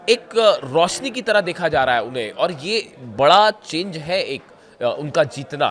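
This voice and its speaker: A hoarse man giving conversational news commentary straight to his viewers, pausing often and pointing things out as he explains. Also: fairly high pitch, a bit bright. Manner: conversational, often says "dekhiye", frequent filler pauses.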